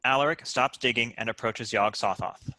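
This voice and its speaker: A man's voice: medium pitch, normal speed, pushed and bright, rough recording. A man giving scripted narration, reading out screenplay stage directions at a table read.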